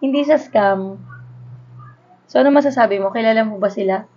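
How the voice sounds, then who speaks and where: A woman's voice: on the high side, moderate pace, a little mellow. A Filipino woman in her thirties chatting casually and nostalgically in Taglish as she vlogs an unboxing. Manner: nostalgic, informal, conversational. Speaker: vlogger unboxing a collectible. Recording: dull lo-fi sound.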